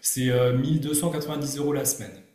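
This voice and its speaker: A man's voice: mid-range voice, fast. Stammering man in an echoey room. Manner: stammering restarts, relaxed. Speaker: director general. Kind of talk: answering questions in a webinar.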